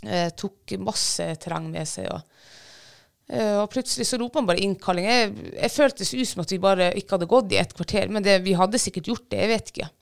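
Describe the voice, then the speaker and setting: Woman handler chatting away about her dog, gravelly but smooth voice, lots of ehs. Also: mid-range voice. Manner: lively retelling with many fillers and restarts. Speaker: guest, bird dog handler. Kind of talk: casual storytelling.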